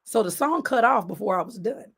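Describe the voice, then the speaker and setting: A woman singer and producer as an interview guest, telling animated stories and laughing often. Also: medium pitch, brisk, husky. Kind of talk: casual interview chat.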